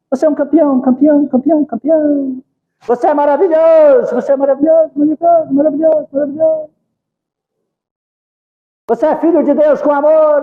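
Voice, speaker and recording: A man's voice: very high voice, reverberant, in a large hall, pitched above the performer's own voice. A man playing a doting, encouraging father. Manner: repeats warm praise again and again. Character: loving father encouraging his son. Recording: dull lo-fi recording.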